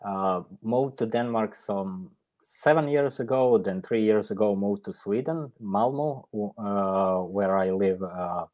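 Man, middle-aged, from Croatia, slow pace, halting delivery, informal online tech presentation. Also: on the low side, darkish tone. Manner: halting, pausing often mid-phrase. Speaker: guest speaker, tech presenter. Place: indoor room, video call.

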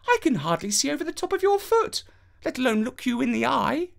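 A storyteller's prim, haughty, high-voiced young princess. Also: female voice, sing-song, fairly quick, creaky, exaggerated voice. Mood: prim, demanding. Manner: prim, polite, dismissive.

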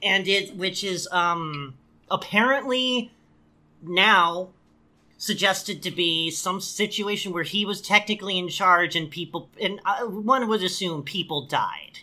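A woman co-hosting a podcast, recapping a TV episode with sarcastic, animated storytelling. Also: on the low side, measured pace. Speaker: podcast co-host. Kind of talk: casual recap chat.

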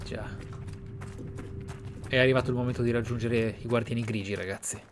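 A man's voice: mid-range voice, steady tone, normal speed. Italian man musing over noisy game ambience. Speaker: gameplay streamer. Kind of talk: reading game texts aloud and roleplay commentary.

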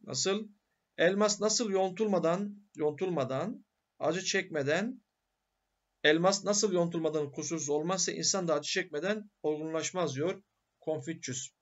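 A man's voice: high-pitched, lo-fi sound. A male teacher giving a grammar lecture who asks questions and answers them himself.

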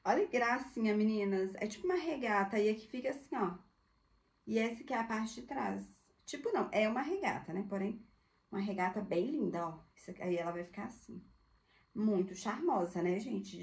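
A woman's voice: medium pitch, vocal fry, a little mellow. A woman, showing thrift-store clothes to viewers in a chatty, gushing way. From Brazil. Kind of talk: casual live product showcase.

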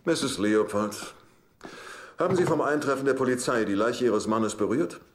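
An actor playing a matter-of-fact police investigator in a German-dubbed sitcom, deadpan and businesslike. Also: male voice, medium pitch, normal speed, lightly acted. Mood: dry, questioning.

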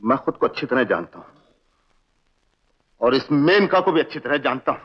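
An actor playing a loyal orphaned friend of the family, pleading theatrically in 1960s film dialogue. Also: male voice, medium pitch, big pitch swings, normal speed. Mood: earnest. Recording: dull old film soundtrack with music.

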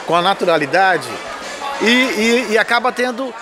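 A Brazilian radio announcer in his forties speaks in a high, upbeat voice and keeps encouraging the host. He is picked up by a phone held at arm's length at a busy fair, with clear crowd chatter behind him. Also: lively intonation, normal speed, over music. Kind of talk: casual on-site interview. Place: exhibition booth at a crowded fair, indoors. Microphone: phone camera at arm's length.

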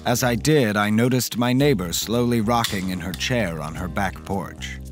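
A man plays a polite, fussy accountant narrating a horror audio drama. His voice is low and his storytelling measured. Soft music runs faintly underneath. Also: lightly acted. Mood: reflective. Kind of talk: scripted first-person horror narration.

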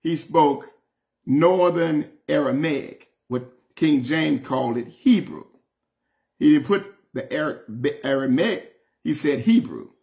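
A Southern US man in his sixties teaches an informal Bible study, reading and explaining scripture emphatically and folksily while repeating phrases and calling on listeners. His fairly high voice is animated, creaky, and a little mellow, and he takes it slowly. He sits indoors at home before French doors.

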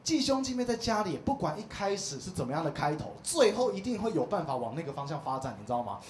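A stand-up comic in his thirties tells his stories with a high, lively voice that swoops up and down as he acts out the people in them. The small comedy club gives a roomy echo, with a faint hum of the room behind him. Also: fast talker. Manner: animated storytelling, acts out quoted voices.

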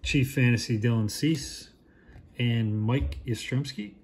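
A man in his thirties talks through pack openings in a relaxed, low-key way. He speaks slowly, naming each player with a short remark. A faint hiss sits under his close, indoor camera-mic sound. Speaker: card shop host opening packs. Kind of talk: casual card-opening commentary.

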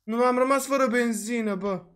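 Romanian man, high-pitched, let's-play host, chatty, quick to exclaim, voice a bit worn. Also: fairly bright tone, clean tone. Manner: chatty, exclaims often, peppers talk with "frate" and "bă". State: voice slightly worn, coughing. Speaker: gaming video host. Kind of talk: casual let's-play commentary.

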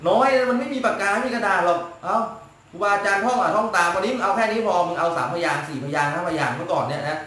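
A high-voiced man lectures his viewers on a casual live stream as a spiritual teacher, blunt and crude, forever asking "right?". His voice rings through a very echoey room over faint background noise. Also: very fast, a bit bright.

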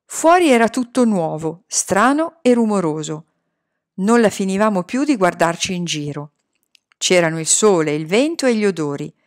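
A woman reading a novel aloud in a calm, measured storytelling voice. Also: medium pitch. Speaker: audiobook reader.

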